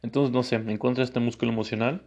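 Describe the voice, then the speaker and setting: A man's voice: medium pitch, fairly even intonation, fast, darkish tone. A man hosting a casual solo podcast, talking in an easygoing, rambling, encouraging way. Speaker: podcast host. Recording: dull lo-fi sound.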